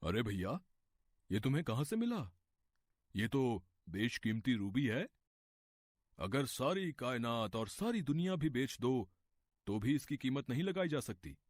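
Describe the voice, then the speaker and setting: A man's voice: medium pitch, big pitch swings, measured pace, long pauses, no echo, studio quality, pitched below the performer's own voice. A man playing an expert jeweller in a moral story, speaking in an emphatic, awestruck way. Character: amazed expert male jeweller admiring a priceless gem.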